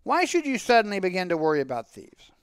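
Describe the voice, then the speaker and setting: A man's voice: high voice, animated, normal speed, clear, resonant tone, dry recording, clean studio sound, pitched above the performer's own voice. A man voicing a poor, pious Jewish milkman from a storybook, declaiming in a wry, pleading, long-winded way. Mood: self-scolding. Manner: declamatory, rhetorical.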